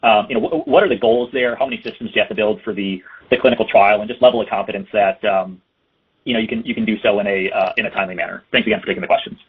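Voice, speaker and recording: A man's voice: fairly low pitch, fairly even intonation, racing, breathy edge. A man asking questions as an analyst on an earnings call, polite and tentative in his phrasing. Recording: phone-like conference call line.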